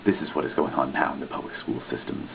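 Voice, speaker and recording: A man with a very low voice reads a written text in a mock-dramatic style, pushing his pitch and stress up and down theatrically. The recording is thin and phone-like, with a faint hiss under it. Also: little pitch movement, quick pace, creaky. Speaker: reader. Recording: tinny lo-fi recording with faint noise.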